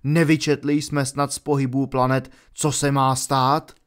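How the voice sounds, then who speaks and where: A man voicing a proud, angry male centaur in an audiobook, booming and scolding. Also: level tone, clean tone, close to an everyday voice. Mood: furious. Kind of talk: audiobook character voice.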